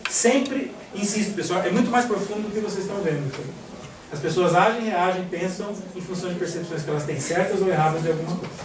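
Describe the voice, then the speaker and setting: A man's voice: high-pitched, fast talker, a crowd in the background. A Brazilian man giving an informal talk, explaining points insistently and turning to the audience as he speaks. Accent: Brazilian Portuguese. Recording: echoey room from far off, audience present.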